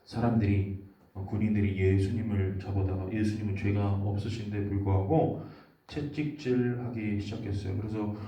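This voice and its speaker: A man's voice: lowish voice, steady tone, normal speed, dark tone, roomy sound, recorded from a distance, lo-fi sound. A man giving a children's sermon, telling a story and quizzing the kids with questions. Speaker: children's ministry preacher.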